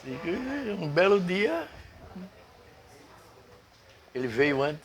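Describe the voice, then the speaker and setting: An older man, a doctor reminiscing in casual conversation, halting and searching for names. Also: high voice, big pitch swings. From Brazil. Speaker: guest doctor.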